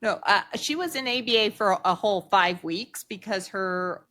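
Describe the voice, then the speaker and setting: A woman co-hosting a casual chat, jumping in briskly to explain things. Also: medium pitch, pushed and bright.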